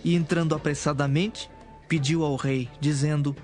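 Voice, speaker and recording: A man's voice: on the high side, steady tone, normal speed, darkish tone. A man giving solemn scripted narration as the narrator of a dramatized Bible. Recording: music behind.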